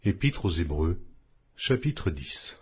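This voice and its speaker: A man narrating scripture as a solemn, scripted audiobook reading with measured, declamatory phrasing. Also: low-pitched, very animated, slightly rough. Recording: dull lo-fi audio.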